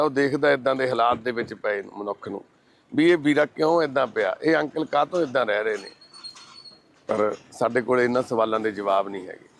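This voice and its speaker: A man's voice: mid-range voice, slight background noise. Earnest, devout Punjabi volunteer man. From Punjab, India. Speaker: charity volunteer rescuing destitute people. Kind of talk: on-site appeal and conversation. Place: outdoors by a roadside garbage heap.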